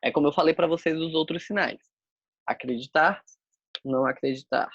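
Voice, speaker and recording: A man's voice: on the high side, moderate pace, fairly bright tone, no echo, muffled recording. A man teaching a sign language class, explaining step by step as he demonstrates the signs.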